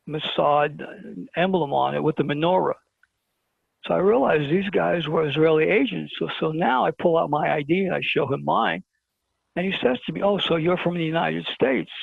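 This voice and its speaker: Brooklyn-accented man, high gravelly voice, husky, phoning in to tell his story; call-in guest. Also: no room sound. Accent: New York (Brooklyn). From Brooklyn, New York. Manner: animated storyteller who acts out dialogue. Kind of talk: telling a personal story on a talk show. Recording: tinny phone-line call-in.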